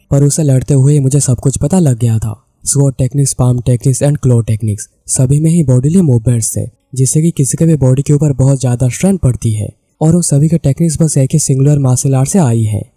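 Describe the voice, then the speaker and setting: A man with an Indian accent narrating a comic story recap, voicing the characters' lines in his own steady voice. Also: mid-range voice, brisk, breathy edge, no echo. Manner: steady retelling, reads characters' lines in the same voice. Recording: dry close recording with soft background music.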